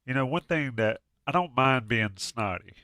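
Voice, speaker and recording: A man's voice: medium pitch, lively intonation, normal speed, pushed and bright, dry recording. Man, congested from a cold, chatty host, dry close sound. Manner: chatty, joking, restarts often. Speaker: podcast host. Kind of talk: casual sports chat.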